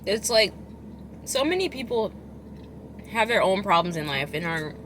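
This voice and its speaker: A woman chatting casually as a food vlogger, chewing while she talks, rambling and expressive with emphatic delivery. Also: medium pitch, normal speed, a little hiss or hum. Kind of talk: casual chatty eating vlog.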